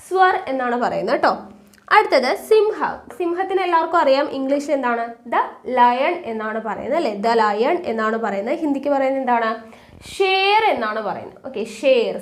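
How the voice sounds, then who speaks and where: A high-pitched woman from Kerala leads an online vocabulary class. She quizzes her viewers and answers each question herself, then drills every word in slow, patient repetition. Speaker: language teacher.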